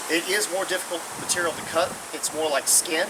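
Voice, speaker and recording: A man speaks loud and at a high pitch. Noticeable background noise and audible room echo fill the recording. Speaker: weapons tester. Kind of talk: tutorial.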